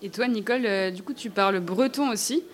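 Woman interviewer, mid pitch, friendly and familiar with her guest. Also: a little fast. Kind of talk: interview questions.

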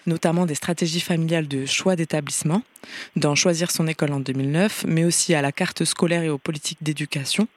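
A woman hosting a radio show, presenting the program and her guest in a clear, measured way. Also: sits low.

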